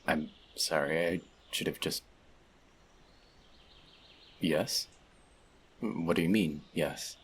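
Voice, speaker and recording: A man's voice: very deep voice, drawn-out words, pauses often, a little hiss or hum, heavily acted. A man playing an earnest, bookish elf outcast in an audio roleplay, confiding in a friend in a hesitant, self-doubting way. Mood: sheepish, confessing. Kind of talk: scripted audio roleplay addressed to the listener.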